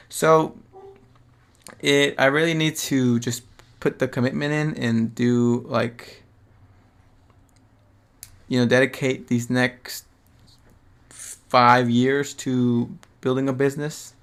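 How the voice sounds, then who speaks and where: A man's voice: medium pitch, fairly even intonation, slow pace, long pauses, clean tone. A man of twenty hosting his own podcast, talking alone in a rambling, slangy way, swearing often and restarting his sentences. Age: 20s. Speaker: podcast host. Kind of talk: casual reflective solo monologue.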